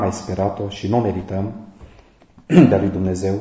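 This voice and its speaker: In a room with audible echo, a man speaks slowly, somewhat breathy and fairly low-pitched, in a flat, monotone way. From Romania, Sibiu county. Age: 60s. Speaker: priest and theology professor. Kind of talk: lecture.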